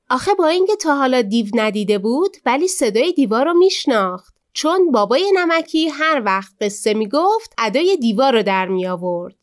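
A woman narrating a children's story slowly and expressively. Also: high-pitched.

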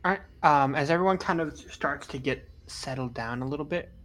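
A man's voice: on the high side, brisk, a bit bright, soft background music. Man narrating as game master. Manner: loose, filler-heavy scene description.

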